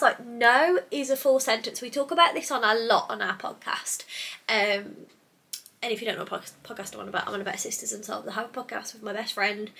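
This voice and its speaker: A woman's voice: on the high side, bright, forceful tone. A young woman vlogging in a casual, rambling chat to the camera, sounding a little stuffy from a cold. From United Kingdom. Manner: chatty and rambling, sidetracks mid-thought. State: congested from hay fever or a cold.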